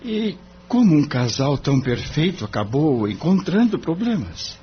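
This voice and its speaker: A man voicing an earnest, polite young lawyer gently reassuring a client. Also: on the high side, sing-song, a little slow. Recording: dull lo-fi with faint noise.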